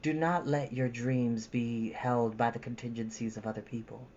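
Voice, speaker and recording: A woman's voice: rumbling low, fairly even intonation, moderate pace, darkish tone, muffled recording, a little hiss or hum. A woman talking casually to her viewers as a storytime host, in an informal, emphatic, encouraging way.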